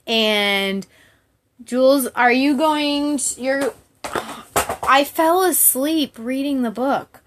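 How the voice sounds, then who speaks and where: A woman's voice: high-pitched, takes it slowly, noisy background. A woman chatting casually to viewers as a livestream host, candid and rambling in a giggly, informal way.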